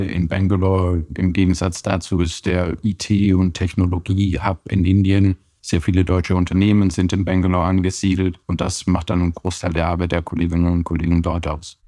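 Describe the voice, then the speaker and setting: A man speaking as a diplomat in an interview, measured and factual. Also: deep voice, level tone, mellow, no room sound, clean studio sound. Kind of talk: interview answers.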